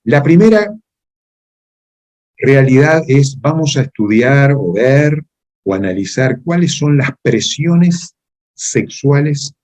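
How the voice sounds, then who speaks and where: A man's voice: medium pitch, expressive, slow pace, darkish tone. A middle-aged man with a Uruguayan accent, giving an earnest, emphatic conference lecture as a physician. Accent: Uruguayan Spanish.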